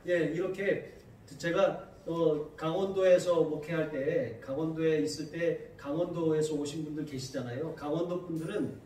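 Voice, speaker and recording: A man preaching a sermon as pastor, reading scripture slowly and telling lively, laughing anecdotes. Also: on the high side, slight background noise. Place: church sanctuary. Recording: very echoey church sanctuary heard from a distance.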